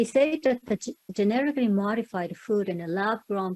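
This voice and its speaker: A woman with a Japanese accent, at a medium pitch and a moderate pace. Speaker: author and conference speaker. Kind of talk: conference talk. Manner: halting with fillers.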